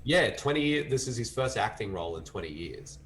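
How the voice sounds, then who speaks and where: A man's voice: on the low side, lively intonation, a little fast, a crowd in the background. An Australian man chatting casually as a film reviewer, enthusiastic and rambling, with lots of filler words.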